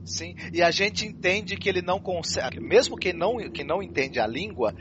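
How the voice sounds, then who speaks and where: A man's voice: high-pitched, animated, a little fast, highs cut off, background noise. A man co-hosting a casual film chat, analyzing scenes with hesitant restarts. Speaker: podcast co-host.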